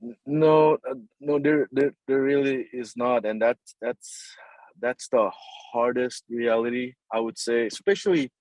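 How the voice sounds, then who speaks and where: A man's voice: mid-range voice, a little slow, darkish tone, no room sound, rough recording. Hesitant Nepal-born man with a dry sound. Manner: hesitant, many fillers and repeated words, polite "yes, sir". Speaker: construction company CEO, guest. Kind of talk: casual interview answers.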